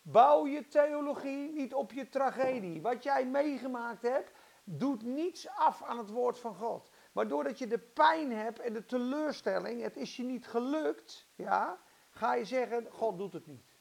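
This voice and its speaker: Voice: medium pitch, unhurried, gravelly. A preacher delivering an impassioned, dramatic sermon and acting out Bible stories.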